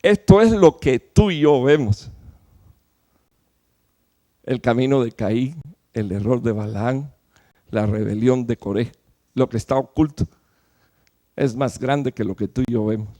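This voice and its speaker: A man preaching a sermon to his church, emphatic, with rhetorical questions and sudden loud peaks followed by low, quiet drops. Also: unhurried, pauses often. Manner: fillers and restarts while explaining. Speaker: pastor.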